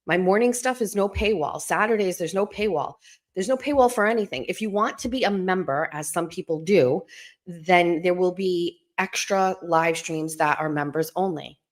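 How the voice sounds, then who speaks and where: A middle-aged woman hosting a live stream from home, chatting in a hushed, rambling way so she won't wake anyone. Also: moderate pace. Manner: talking low and hushed to keep from waking someone; chatty and rambling, full of asides and restarts.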